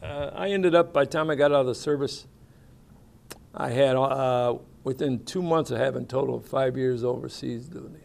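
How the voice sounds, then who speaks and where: A man's voice: mid-range voice, normal speed, gravelly, a little mellow. An older American man, a military veteran, recalling his years overseas in a rambling, plainspoken way with folksy grammar and many fillers. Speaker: veteran interviewee. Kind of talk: oral history interview, casual recollection.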